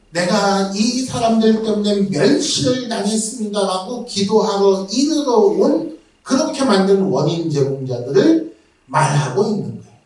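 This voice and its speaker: Male pastor, lively sermon delivery, heard distantly in a very echoey sanctuary. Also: high voice. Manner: animated, acts out mocking voices. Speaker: guest pastor. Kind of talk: revival meeting sermon. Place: church sanctuary. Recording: very echoey church from afar.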